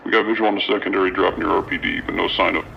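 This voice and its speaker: A man plays a disciplined field operative in a radio drama, terse and cold. His voice is low and flat with a gravelly edge. It comes through a military radio. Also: very fast, lo-fi sound, a little hiss or hum. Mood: tense, businesslike. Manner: clipped, terse radio procedure.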